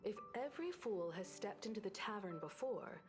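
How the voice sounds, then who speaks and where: A woman's voice: medium pitch, animated, moderate pace, music in the background, close to an everyday voice. An actress playing a composed, matter-of-fact woman in a video game, explaining things in a level-headed way. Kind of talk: scripted game dialogue.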